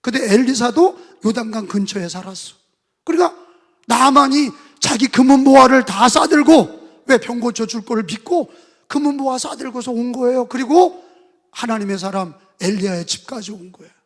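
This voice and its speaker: A man preaching a sermon as pastor, telling the story dramatically and acting out the voices, his volume swinging from loud to soft. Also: very high-pitched, normal speed. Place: church sanctuary. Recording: long hall reverb.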